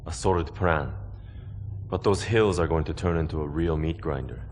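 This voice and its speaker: Very deep-voiced hard-bitten pilot. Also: male voice, normal speed, a little mellow, a little hiss or hum. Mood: wry, serious. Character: hard-bitten male mech pilot from a poor background. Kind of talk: dramatic game cutscene acting.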